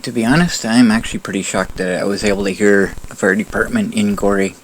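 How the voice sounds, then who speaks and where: A man's voice: fairly low pitch, quick pace, slight background noise, poor audio. A man hosting a video with casual, hesitant, conversational voiceover commentary. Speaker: video host.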